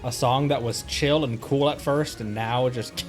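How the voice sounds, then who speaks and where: Soft game music backs this livestream, where a man in a mid-range, fairly even voice chats unhurriedly about his gameplay. He rambles casually, thinking out loud as he plays.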